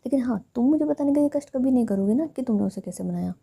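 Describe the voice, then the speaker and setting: A woman's voice: fairly high pitch, expressive, quick pace, gravelly, warm tone, husky, full character voice. A woman voicing a curious young woman in love who keeps pestering her girlfriend with questions in a told love story. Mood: pleading. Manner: pleading, pestering.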